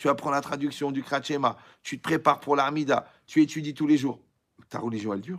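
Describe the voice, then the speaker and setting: Speaking at a fairly quick pace, a man sounds animated. His pitch is fairly high. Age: 60s. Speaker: rabbi. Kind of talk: sermon.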